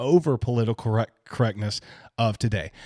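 In a plain, everyday voice, a man of medium pitch talks at a fairly quick pace, the sound dry and close with no echo. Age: 30s. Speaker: horror movie podcast co-host. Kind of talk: casual chat; reading aloud.

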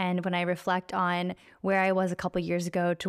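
With an American accent, a woman speaks at medium pitch and a moderate pace in a very clean recording with a silent background. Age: 30s. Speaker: podcast host. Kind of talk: casual chat.

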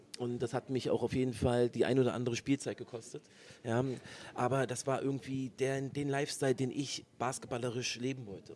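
A man with monotone, flat intonation and a fairly quick pace. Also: medium pitch for a man. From Berlin, Germany. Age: 40s. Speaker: basketball player and team organizer. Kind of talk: casual chat.

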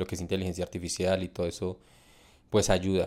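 This man's voice is very deep and low, captured in a very clean recording with a silent background. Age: 30s. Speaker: web developer. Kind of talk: interview storytelling. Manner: halting, many repetitions.

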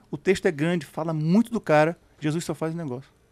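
A man speaks very fast at a fairly high pitch, his tone dark and mellow. The recording is very clean and silent behind him, with a dry, close sound and no echo. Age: 40s. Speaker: pastor and gospel music producer. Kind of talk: casual interview.

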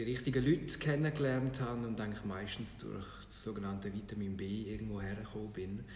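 A man talks with a Graubünden accent and ordinary pitch variation. Noticeable background noise and audible room echo fill the recording. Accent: Graubünden Swiss German dialect. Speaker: yoga studio owner and teacher. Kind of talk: interview. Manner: halting, many fillers.

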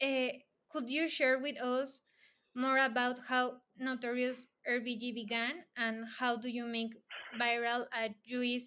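A woman with a Spanish accent, high pitch, a bright, sharp tone, a very slow pace, and monotone, flat intonation. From Mexico. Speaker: co-host and law student. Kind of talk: interview.

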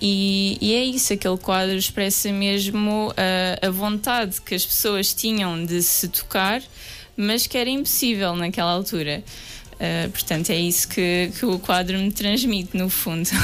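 A woman's medium-pitched voice at a fairly slow pace, with ordinary pitch variation and very even loudness. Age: 20s. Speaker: artist and architecture graduate. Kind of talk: radio interview. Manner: hesitant.

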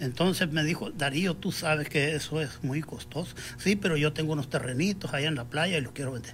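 A man's fairly high, bright, sharp voice at a moderate pace with ordinary pitch variation. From rural Baja California Sur, Mexico. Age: 70s. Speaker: rancher and documentary director. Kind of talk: interview.

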